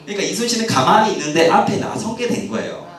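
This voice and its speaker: Male lecturer, lively and questioning, slightly high voice, picked up from a distance in a roomy hall. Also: quick pace, faint music behind. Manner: animated, asks audience questions, acts out quoted lines. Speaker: history lecturer. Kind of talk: lively public history lecture.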